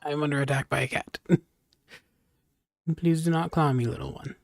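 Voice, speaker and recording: A man chatting casually as he livestreams a game, informal and thinking out loud. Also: fairly high pitch, fairly even intonation, normal speed, gravelly, a little hiss or hum. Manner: informal, chatty, muses aloud. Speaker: game streamer. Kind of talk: casual livestream chat over gameplay. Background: game music.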